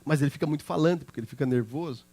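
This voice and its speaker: A man's voice: a little high, rapid-fire, warm tone, soft background music. A middle-aged man, a pastor preaching a sermon through chatty personal stories and often checking in with his listeners.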